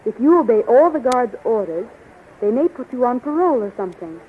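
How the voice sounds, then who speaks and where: A woman's voice: on the high side, very animated, a little fast, phone-quality sound. An actress playing an anxious, loyal young captive woman in a 1930s radio serial, earnest and pleading. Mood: earnest, worried. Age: young adult. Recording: scratchy, thin 1930s radio recording.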